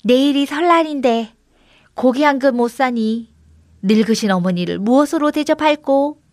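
Brief: woman doing a tiny white talking goat in a storybook, parroting words, high-pitched and dry. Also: normal speed, darkish tone, dry recording, lightly acted. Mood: mimicking. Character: small white talking goat, mimics every word.

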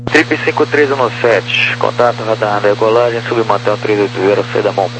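A man's voice: lowish voice, steady tone, moderate pace. A Brazilian man working as an air traffic controller, giving terse, procedural instructions over a walkie-talkie style radio. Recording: noisy humming aviation radio transmission.

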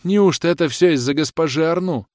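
A man's voice: medium pitch, brisk, no echo, clean studio sound, natural voice. A man voicing a young kept woman who defends herself and pleads with her lover. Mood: pleading. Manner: defensive, then pleading and tearful. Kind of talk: audiobook character reading.

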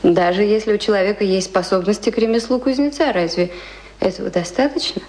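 An actress in a radio play playing a refined, educated young lady who reasons and gently corrects. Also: mid-range voice, brisk, close to an everyday voice. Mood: reasoning, instructive. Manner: genteel, reasoning, mildly reproving.

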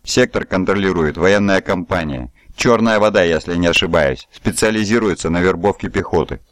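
A man voicing a calm, self-assured stranger who speaks in an easy, disarming way in an audiobook. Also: low voice, moderate pace, no echo, natural voice.

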